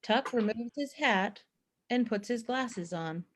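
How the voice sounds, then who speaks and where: A woman's voice: fairly high pitch, animated, slow, a little hiss or hum. A woman reading stage directions as scripted narration in a play reading.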